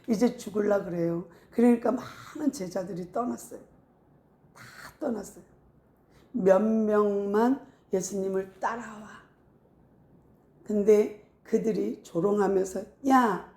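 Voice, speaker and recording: A woman pastor preaching a sermon in a lively storytelling way, often acting out voices, in a casual spoken style mixed with preaching. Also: mid-range voice. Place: church. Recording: echoey room.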